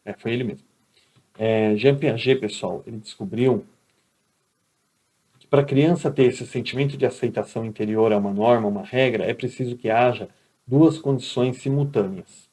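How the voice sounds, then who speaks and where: Man, Brazilian Portuguese accent, teacher, conversational recorded lecture, mellow warm tone, mid pitch. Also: moderate pace. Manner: conversational, often adds "né?" and "tá?".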